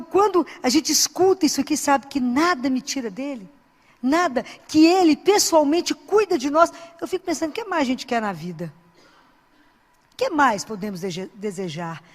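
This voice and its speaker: A woman's voice: sits high, husky. Earnest woman preaching in a reverberant hall. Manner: conversational, earnest, exhorting. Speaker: Christian speaker and doctor. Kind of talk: informal sermon with anecdotes.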